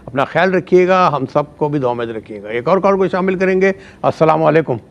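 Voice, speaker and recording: A man's voice: on the high side, expressive, muffled recording. A male host of a call-in show who greets callers and closes each call with a formal, courteous prayer.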